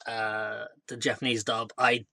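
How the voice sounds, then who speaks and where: A man co-hosting a casual podcast, speaking haltingly with lots of fillers. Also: on the low side, level tone, vocal fry, sharp tone, no room sound. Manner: halting, with many fillers and restarts. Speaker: podcast co-host.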